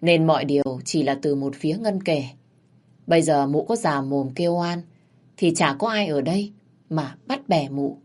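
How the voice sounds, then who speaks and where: A woman narrating a scripted story in a steady, plain storytelling manner. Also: sits low, moderate pace.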